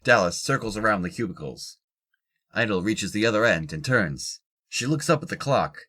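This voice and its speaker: A man's voice: lowish voice, lively intonation, moderate pace, pushed and bright, breathy edge. A man reading scripted narration for an audio drama.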